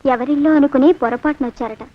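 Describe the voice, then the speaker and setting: A woman's voice: high-pitched, fairly even intonation, quick pace, no echo, natural voice. An actress playing a naive, meek young woman. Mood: innocent. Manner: meek, simple replies. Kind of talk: film comedy dialogue. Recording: dull film soundtrack.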